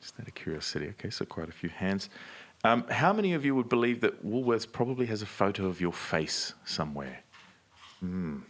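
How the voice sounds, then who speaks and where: Low voiced guy cohost, smooth presenter, quizzing the audience. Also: very animated, a little fast. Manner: polished presenter, asks the audience questions. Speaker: podcast co-host. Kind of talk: live podcast panel talk. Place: on stage at a live event.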